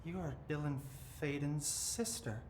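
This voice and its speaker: An actor as a possessed young man in a game, detached and bitter. He speaks very slowly in eerie, deliberate statements, with a roomy echo and noticeable noise around him. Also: on the high side, lightly acted. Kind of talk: video game cutscene acting.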